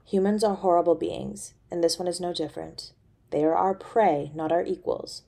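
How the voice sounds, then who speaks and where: A woman playing a haughty, cold succubus mother in an audio drama, speaking formally and with disdain in a husky, creaky voice. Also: on the low side, steady tone, normal speed, mellow. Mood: disdainful. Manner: imperious, formal, disdainful of mortals. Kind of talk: audio roleplay drama acting.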